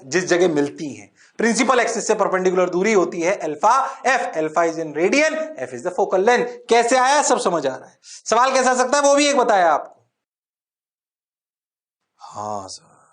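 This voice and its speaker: A man's voice: sits high, fairly bright tone. A male physics teacher giving an exam-prep lecture, coaxing students in a playful, sing-song way and mixing English terms into his speech.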